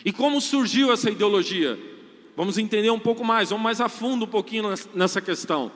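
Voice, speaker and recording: Brazilian male priest, sermon delivery, bright forceful tone, addresses the crowd directly, reverberant hall. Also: sits high. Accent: Brazilian Portuguese. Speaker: Catholic priest preaching. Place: large church hall with long reverb.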